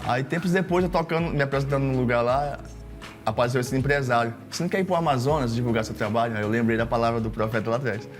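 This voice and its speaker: A man from Maranhão, a gospel singer guest on a studio talk show, relaxed and casual as he tells his story. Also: medium pitch, fast, soft background music. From Maranhão, Brazil. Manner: relaxed storytelling, uses "galera" and "cara". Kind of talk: casual testimony interview.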